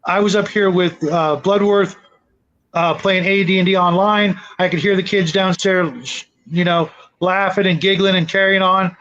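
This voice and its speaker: A man's voice: high-pitched, fairly even intonation, normal speed, fairly bright tone, highs cut off. A middle-aged man hosting a casual livestream chat. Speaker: show host.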